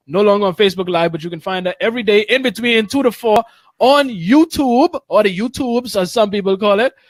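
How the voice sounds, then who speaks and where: A fairly quick voice with a Bahamian accent and ordinary pitch variation, in a dry, close sound with no echo. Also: man, high pitch for a man. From The Bahamas. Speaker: podcast host. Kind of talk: casual chat.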